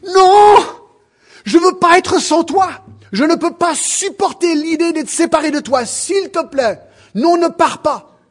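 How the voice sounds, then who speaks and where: A man preaching, voicing an anxious male disciple who begs urgently not to be left behind. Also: slow pace. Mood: pleading. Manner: urgent, imploring, high-pitched.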